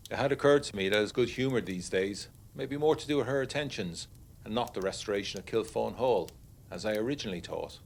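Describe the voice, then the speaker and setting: In a medium-pitched voice, an actor gives a lightly acted reading as a young war veteran, genteel yet uneasy. For this gothic period audiodrama he narrates the character's letters with literary, wry confidentiality.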